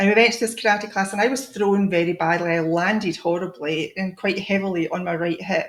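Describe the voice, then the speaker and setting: In a Scottish accent, a woman talks at a fairly quick pace with a medium pitch and fairly even intonation. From Scotland, Edinburgh. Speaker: energy healer. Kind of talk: interview.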